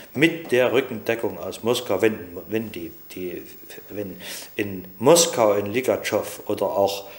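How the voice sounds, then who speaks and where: A man speaks very slowly at a medium pitch. His loudness swings widely. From Germany, Dresden, Saxony. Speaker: former East German civil rights activist, interviewee. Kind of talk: recorded oral-history interview answer.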